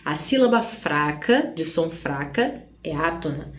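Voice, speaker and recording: A Brazilian woman teacher giving an online grammar lesson in a chatty way, often tagging lines with "né?" and slowing down to stress syllables. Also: low-pitched, expressive. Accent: Brazilian Portuguese. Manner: chatty, frequent "né?" and "gente" asides. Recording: roomy echo.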